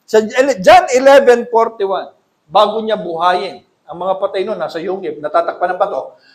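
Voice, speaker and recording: Male pastor preaching a sermon, high voice, animated call-and-response delivery, rises to loud emphatic peaks, echoey church hall. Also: normal speed. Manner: asks the congregation questions and answers them.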